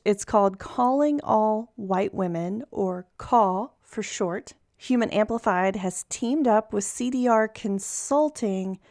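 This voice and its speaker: A woman's voice: medium pitch, a little mellow, no echo, clean studio sound. A woman hosting a podcast, reading promos and interviewing a guest with an upbeat, enthusiastic delivery. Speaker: podcast host.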